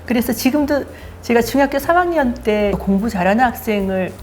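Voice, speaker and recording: An older woman hosting her own show, telling her life story in a lively, self-mocking way. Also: on the high side, a little fast, a little hiss or hum. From Daegu, South Korea. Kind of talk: casual storytelling chat.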